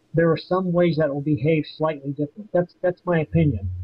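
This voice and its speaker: Music plays in the background as a man speaks at a fairly quick pace and a high pitch. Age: 60s. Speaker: video game scorekeeping pioneer. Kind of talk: interview.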